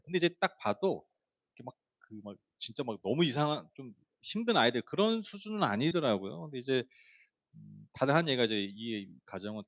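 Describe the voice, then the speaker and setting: A man's voice: mid-range voice, highs cut off. A man preaching a sermon, telling a story in a chatty way with many fillers and speaking directly to the congregation. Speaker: pastor.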